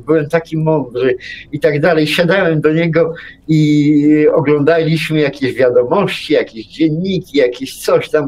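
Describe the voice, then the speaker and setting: A man's voice: on the high side, a little mellow. A middle-aged man in casual radio conversation, telling things in a wry, anecdotal way. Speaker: radio show speaker. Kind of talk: casual chat.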